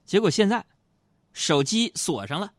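A man hosting a radio show, telling self-mocking comic stories in an animated way, recorded in a studio. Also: sits high, unhurried, no room sound. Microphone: studio microphone.

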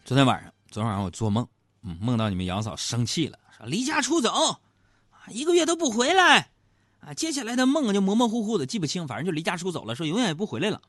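Lively, teasing man telling comic stories. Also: high-pitched, quick pace. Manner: chatty, teasing, asks the audience rhetorical questions. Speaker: comedy talk show host. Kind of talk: comic storytelling monologue.

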